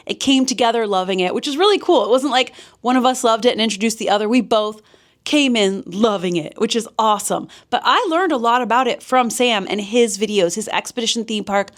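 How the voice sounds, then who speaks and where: Miami woman vlogging her year from a home office, gushy and chatty, voice a bit high. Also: a little fast. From Miami, United States. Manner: chatty and enthusiastic, with gushing asides. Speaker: theme park vlogger. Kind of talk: casual year-in-review narration. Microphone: sit-down home office recording.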